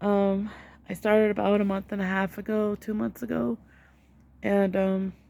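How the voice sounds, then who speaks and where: Speaking quietly at a medium pitch and a moderate pace, a woman uses ordinary pitch variation and takes long, frequent pauses. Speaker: spiritual reader and channel host. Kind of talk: casual vlog talk. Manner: hesitant, many ums.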